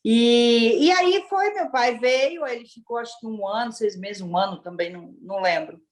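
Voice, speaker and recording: A woman actress born in Italy and raised in Brazil, chatting in an interview as a lively storyteller full of exclamations. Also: fairly high pitch, normal speed. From born in Turin, Italy, raised in Brazil. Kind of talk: casual interview chat.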